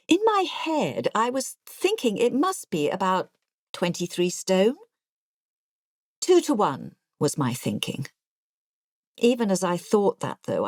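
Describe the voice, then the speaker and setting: Audiobook narrator: elderly English ex-nurse, artless and confiding, low register, lively inflection, dry close sound. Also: female voice, no room sound, exaggerated voice. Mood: confiding, digressive. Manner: confiding, digressive, matter-of-fact. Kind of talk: audiobook first-person narration.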